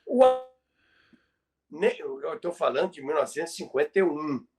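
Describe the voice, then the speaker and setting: A man's voice: fairly high pitch, big pitch swings, moderate pace, a little mellow. A Brazilian man telling radio history conversationally as a podcast presenter, explaining things emphatically and repeating key phrases for effect.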